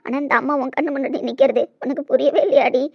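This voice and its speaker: A woman's voice: on the high side, fairly even intonation, fast, lo-fi sound, natural voice. A woman as a desperate pleading mother. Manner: emotional, scolding, pleading. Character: desperate middle-aged mother, pleading and scolding. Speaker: mother in a family drama. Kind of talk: Tamil web-series acting.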